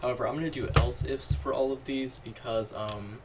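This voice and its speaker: Typing away on a screen-recorded coding walkthrough, a tutorial host speaks a little fast in a steady, medium-pitched voice that's fading slightly. He's casual, musing aloud and amending things as he goes. Background noise is heavy, as a far-off mic catches loud keys clattering and mice clicking.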